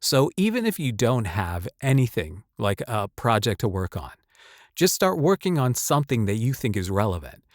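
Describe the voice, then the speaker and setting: A man's voice: mid-range voice, big pitch swings, moderate pace, dry recording, studio quality. A man speaking as a voice actor giving casual advice, rambling and emphatic in a conversational way. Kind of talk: casual advice talk to camera or mic.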